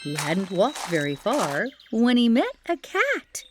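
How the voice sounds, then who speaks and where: A woman telling a children's story, gentle and expressive, with startled exclamations. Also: a little high, slow. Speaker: storyteller host. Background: music.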